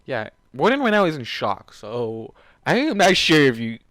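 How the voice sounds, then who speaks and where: A man's voice: mid-range voice, very animated, moderate pace, a bit bright, no echo, clean studio sound. A man reading fan fiction aloud and breaking off for incredulous, sweary, casual commentary.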